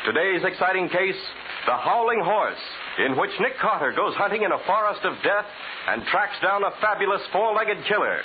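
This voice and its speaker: A man's voice: sits high, sing-song, moderate pace. A man announcing and narrating in a formal, emphatic, dramatic 1940s radio style. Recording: hissy, tinny 1940s radio recording.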